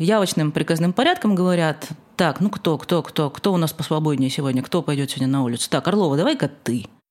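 Over noticeable background noise, a woman with a very deep, low voice talks very fast at a very even loudness, her intonation lively. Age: 40s. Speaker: journalist. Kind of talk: interview.

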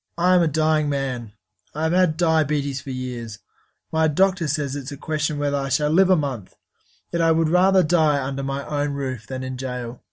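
On a very clean recording with a silent background, a man in a normal speaking voice talks at a moderate pace, his pitch fairly high with ordinary pitch variation. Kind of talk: dramatic confession, gravely reading aloud in character.

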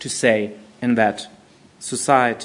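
A man's voice over noticeable background noise. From Germany. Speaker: political scientist. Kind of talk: panel discussion. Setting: stage with audience.

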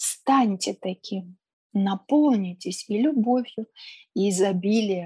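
At a very slow pace, a woman speaks at a medium pitch with a somewhat breathy, warm, dark and mellow tone, ordinary pitch variation, and a dry, close sound with no echo. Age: 40s. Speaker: storyteller sharing life story. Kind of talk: personal testimony; spoken affirmations. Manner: warm and emotive.

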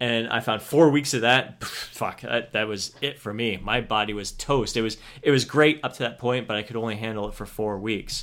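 On a very clean recording with a silent background, a man with an unremarkable speaking voice talks at a moderate pace and medium pitch, with hardly any pauses and fairly even intonation. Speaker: podcast host and fitness coach. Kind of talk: casual chat.

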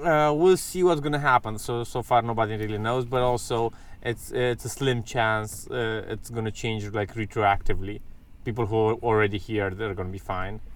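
Moderate pace and ordinary pitch variation, in a Romanian accent. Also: man, medium pitch for a man. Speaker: podcast host. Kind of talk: casual chat. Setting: indoor room with windows open.

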